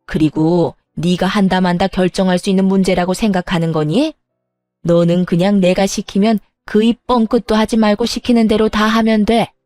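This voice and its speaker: A woman's voice: medium pitch, steady tone, normal speed, mellow, dry recording, studio quality, faint music behind, lightly acted. A woman voicing a harsh, domineering older mother-in-law in a dramatized story, scolding with contempt. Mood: furious.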